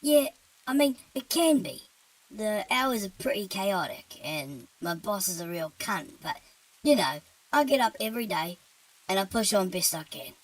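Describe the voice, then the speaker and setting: A woman voicing a tired, sardonic male demon with a British accent, deadpan and offhand. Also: mid-range voice, a little slow, husky, rough recording.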